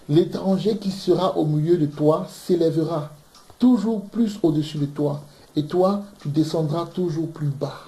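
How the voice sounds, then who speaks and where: A man's voice: on the high side, mellow. Emphatic Ivorian man preaching in echoey room. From Ivory Coast. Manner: emphatic, repeats words while searching for them. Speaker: preacher teaching scripture. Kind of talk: impassioned bible teaching. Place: room in London.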